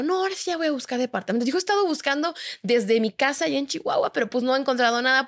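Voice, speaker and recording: A young woman with a Mexican Spanish accent chats as a podcast guest and tells a gossip story with lots of life. She slips into the voices of the people she quotes. Her voice sits a little high. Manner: animated storytelling, acting out quoted dialogue. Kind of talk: casual gossip chat.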